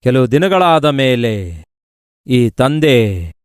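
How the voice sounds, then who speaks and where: A man's voice: mid-range voice, very animated, drawn-out words, clear, resonant tone, no echo, clean studio sound. Earnest male pastor telling a sermon story. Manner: earnest, addresses listeners as beloved.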